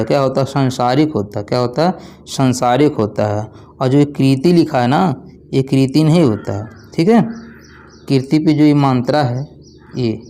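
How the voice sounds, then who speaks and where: A man's voice: medium pitch, dark tone, slight background noise. A young man tutoring exam students, explaining spelling by asking questions and answering them himself. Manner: repetitive call-and-response, asks then answers himself. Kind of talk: online exam-prep lesson.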